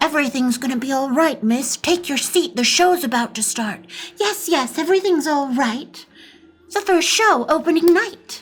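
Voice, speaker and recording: A put-on character voice at a high pitch and moderate pace, with faint music in the background. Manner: soothing, reassuring.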